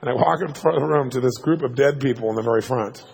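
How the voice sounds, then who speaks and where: Gravelly fast-talking man in a hall. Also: medium pitch, darkish tone. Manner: fast, punchy delivery with frequent "right?" asides. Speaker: motivational speaker. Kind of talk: animated storytelling to a live audience. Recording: long hall reverb.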